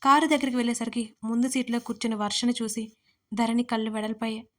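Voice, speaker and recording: A woman narrating her own written audio story in a steady, even reading voice. Her pitch sits fairly high and stays flat through the telling. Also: quick pace. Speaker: writer and narrator.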